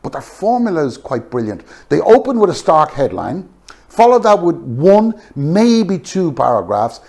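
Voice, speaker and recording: A man's voice: on the high side, a little mellow. A man delivering an opinionated news commentary monologue, emphatic and scornful, punctuating it with rhetorical questions. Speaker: political commentator.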